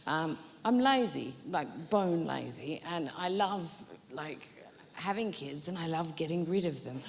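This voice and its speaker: On a comedy club stage, a woman with a deep, expressive, creaky voice takes her time spinning rambling, self-mocking tales in a stand-up set. Long hall reverb surrounds her, with slight hiss or hum and quiet laughter from the audience.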